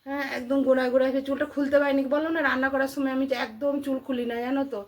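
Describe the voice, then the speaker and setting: A woman's voice: sits high, flat delivery, racing. A middle-aged woman with an Indian Bengali accent chatting casually to viewers in a home vlog, repeating herself and asking rhetorical questions. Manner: chatty and repetitive, addressing listeners with frequent rhetorical questions. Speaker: housewife vlogger.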